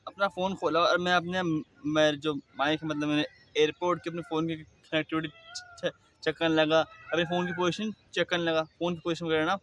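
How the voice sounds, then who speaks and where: A young man talking casually to his vlog audience, with a throaty, slightly thick voice that he keeps slow and deliberate, catching on the odd word with a small stammer. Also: high voice, fairly bright tone, slight background noise. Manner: speaks slowly and deliberately, with occasional stammers. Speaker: vlogger. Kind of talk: casual personal vlog monologue.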